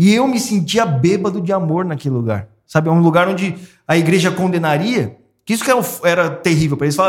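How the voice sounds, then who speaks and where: A man talks at a fairly quick pace in a high pitch, his voice making very wide pitch swings. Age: 20s. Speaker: street missionary. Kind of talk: casual chat.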